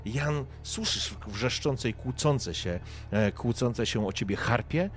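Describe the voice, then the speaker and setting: A man's voice: medium pitch, animated, slow pace. A man running a tabletop game as game master, describing scenes directly to the players with frequent hesitations.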